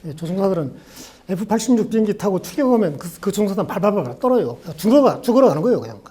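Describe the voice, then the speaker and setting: A man's voice: high voice, big pitch swings, fast, mellow, slightly rough. A man in his sixties from Jeolla, South Korea, a law professor giving a farewell lecture full of reflective personal anecdotes in a university lecture room. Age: 60s.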